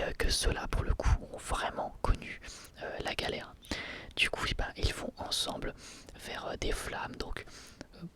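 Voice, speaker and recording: A man giving a whispered ASMR review, talking in a relaxed, rambling way with hesitant restarts. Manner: soft unvoiced whisper throughout.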